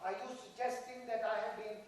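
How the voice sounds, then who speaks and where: A woman's voice: mid-range voice, steady tone, a little fast, a little mellow, lightly acted. A woman playing the droll, haughty ghost of a male French mathematician in a wry, pompous stage reading. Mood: wry, indignant. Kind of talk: dramatised stage play reading. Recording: distant mic in echoey hall, noisy.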